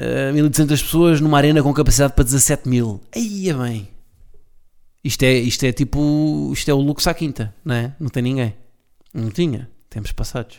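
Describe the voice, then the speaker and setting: Speaking with a European Portuguese accent, a man with a fairly high pitch and ordinary pitch variation talks at a moderate pace on a very clean recording with a silent background. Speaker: comedian. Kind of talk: casual solo monologue. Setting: at home.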